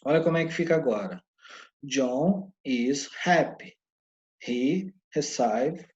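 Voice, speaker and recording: A man with a Brazilian Portuguese accent teaching an online English lesson, explaining patiently and sounding out English words slowly. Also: medium pitch, lively intonation, dull audio.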